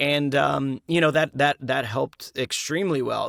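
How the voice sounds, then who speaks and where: A man talks with an American accent. The sound is dry and close, with no echo. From Queens, New York City. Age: 30s. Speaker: voice actor. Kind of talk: podcast interview.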